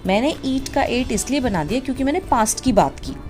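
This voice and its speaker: A woman with an Indian accent teaching English pronunciation, switching between Hindi and English and repeating words slowly to correct them. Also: high voice, lively intonation, darkish tone, faint music behind. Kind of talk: slow classroom-style pronunciation lesson mixing Hindi and English.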